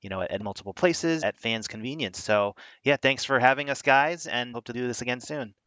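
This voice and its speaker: Bright, crisp man explaining toys. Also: mid-range voice, no room sound. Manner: measured, informative. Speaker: toy brand guest. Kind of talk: casual podcast interview.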